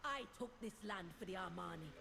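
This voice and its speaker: A woman's voice: lowish voice, animated, brisk, creaky, background noise. An actress playing a fierce tribal woman war leader in a game, speaking in a commanding, solemn, declamatory way like a warrior goddess. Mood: defiant. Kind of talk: dramatic game voice acting. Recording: loud game music behind.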